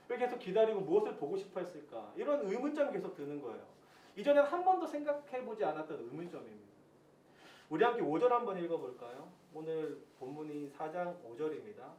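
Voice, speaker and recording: A pastor in his thirties giving a sermon as lively storytelling, acting out his own prayers. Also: high-pitched. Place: church hall. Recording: echoey church hall, distant mic, faint hiss.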